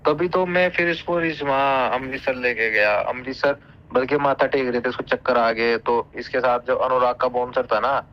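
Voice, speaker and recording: A man's voice: medium pitch, fairly even intonation, normal speed. A man with a North Indian accent chatting casually and recounting gossip on a recorded phone call.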